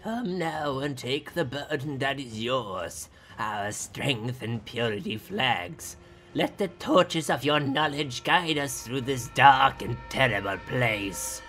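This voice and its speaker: A man's voice: mid-range voice, expressive, slow, soft background music, pitched above the performer's own voice. Man as urgent ancient tribal summoner, raised voice. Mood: solemn plea. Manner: loud, pleading declamation. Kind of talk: dramatic audiobook-style character acting.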